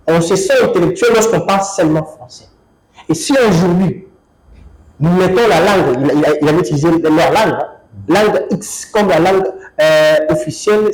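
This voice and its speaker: A man's voice: fairly high pitch, a little mellow, low-quality recording. A male interviewer who asks long, winding questions, with restarts and fillers.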